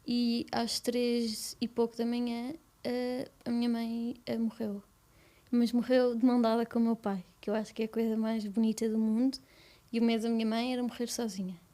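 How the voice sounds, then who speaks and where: A young woman with a European Portuguese accent, speaking softly and haltingly in a personal interview, with many restarts. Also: on the high side, flat delivery. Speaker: guest.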